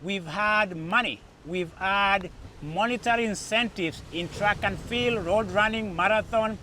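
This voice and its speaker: Kenyan male host, middle-aged, high forceful voice, emphatic storytelling delivery, recorded outdoors. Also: a little slow. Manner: emphatic, storytelling, repeats phrases for effect. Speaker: podcast host. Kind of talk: informal spoken commentary to camera. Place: outdoors in a natural setting. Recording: outdoor recording with background noise.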